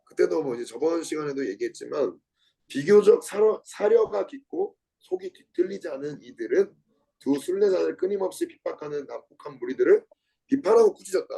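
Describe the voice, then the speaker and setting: A man's voice: creaky, poor audio. A man teaching a Bible lesson, reading a book aloud and adding commentary, repeating key words and asking his listeners questions, with sudden bursts when he acts out the quotes. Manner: dramatizes quotes with sudden shifts in pitch and loudness. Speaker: Bible study lecturer.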